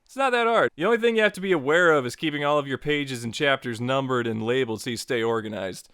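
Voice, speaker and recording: A man's voice: medium pitch, fast talker, a bit bright, clean tone, no room sound, studio quality. A man narrating a scripted but casual tutorial as its host, with playful, joking asides.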